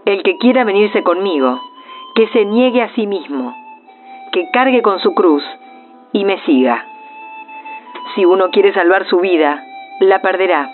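A woman's voice: mid-range voice, lively intonation, a little slow, long pauses, natural voice. A woman voicing a solemn, stern Gospel figure in a dramatised scripture reading. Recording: tinny radio-like band, music behind.

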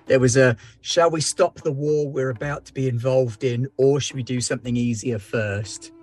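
A man's voice: mid-range voice, steady tone, moderate pace, darkish tone, soft background music. A man in a tabletop game group, recapping a session in a dry, wry way. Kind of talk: casual recap.

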